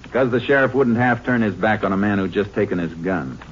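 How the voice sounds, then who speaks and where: An actor playing a steady, shrewd Texas Ranger investigator in a matter-of-fact, authoritative 1950s radio western style. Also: male voice, fairly low pitch, a little fast, close to an everyday voice. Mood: analytical. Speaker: lead actor and narrator. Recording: noisy, clicking, muffled 1950s radio recording.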